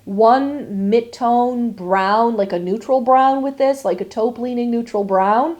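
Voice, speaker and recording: A woman's voice: a little high, slow, darkish tone. Chatty woman reviewing makeup. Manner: chatty, many fillers and self-corrections. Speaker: beauty vlogger. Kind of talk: casual product review.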